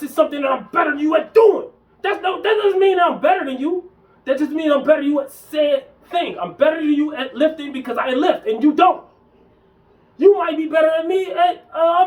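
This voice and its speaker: A man's voice: very high voice, distant mic, poor audio. A man in his early forties delivering an emphatic, slangy rant to camera about gym culture and lifting, repeating himself for emphasis. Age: 40s. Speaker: fitness vlogger. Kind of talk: casual ranting monologue.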